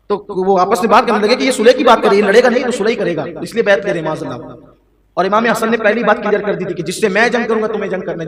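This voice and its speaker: A man's voice: high voice, a bit bright. A man preaching a sermon in a mosque, impassioned and rhetorical, repeating phrases for emphasis. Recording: echoey hall, distant mic, crowd noise.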